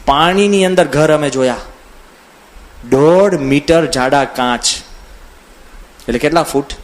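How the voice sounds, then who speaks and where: A man giving a storytelling sermon as a swami, full of lively anecdotes, acting out the voices of people in his stories. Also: on the high side, slow. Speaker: swami giving a religious discourse. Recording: audio from a CD recording.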